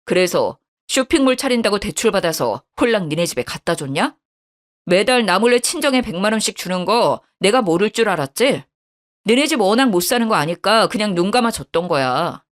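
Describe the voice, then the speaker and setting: A woman voicing a betrayed young husband who scolds his wife harshly in a lowered voice. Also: expressive, fairly quick, lightly acted. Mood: angry. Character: angry betrayed young husband, cold and blunt.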